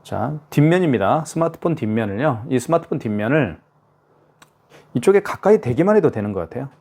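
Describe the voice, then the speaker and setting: A man runs a relaxed product tutorial, talking himself through each step, checking in with the viewer, and peppering it with "자" and "그죠?". His mid-range, darkish voice is very animated and a little fast. The audio carries a faint hiss with device clicks.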